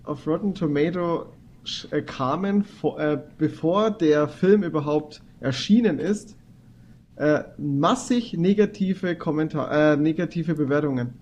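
A man's voice: on the high side, unhurried, a little mellow, lo-fi sound. A man co-hosting a casual podcast chat, hesitant and full of fillers. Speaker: podcast co-host.

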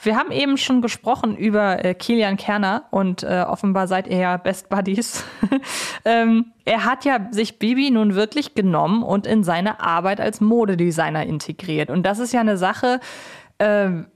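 Woman podcast host, medium pitched voice, chatting casually while asking questions. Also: normal speed. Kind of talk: casual conversational interviewing.

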